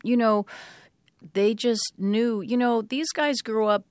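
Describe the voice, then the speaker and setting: A woman's voice: on the high side, takes it slowly, a little mellow, smooth, no echo, clean studio sound. A woman in her fifties, from Canada, speaking as a guest in a radio interview, candid and earnest, reflecting with frequent ums. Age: 50s. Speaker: guest, author.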